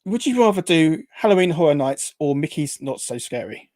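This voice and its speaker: A man's voice: a little high, big pitch swings, normal speed, darkish tone, no echo. A man hosting a casual interview, hesitant and rambling, who says w for r. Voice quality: weak r sounds, says w for r. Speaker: host.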